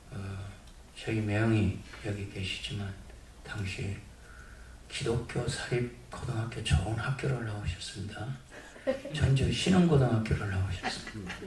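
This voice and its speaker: A man at a moderate pace with long, frequent pauses and ordinary pitch variation, amid audible room echo and noticeable background noise. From South Korea, North Jeolla. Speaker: missionary. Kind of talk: sermon.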